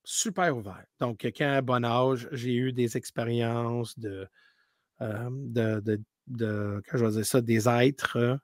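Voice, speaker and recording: Animated bilingual man telling stories, dry sound. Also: mid-range voice, slow pace, no echo. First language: English. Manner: animated storyteller, many restarts, mixes in English words. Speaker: paranormal live streamer, guest. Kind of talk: casual interview chat.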